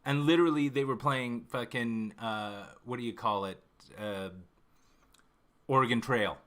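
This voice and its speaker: Fifty-year-old man from Canada, livestream host, bright ringing voice, rambling casual chat, swears nonstop. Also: medium pitch, unhurried. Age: 50s. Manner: swears constantly, rambling and self-interrupting.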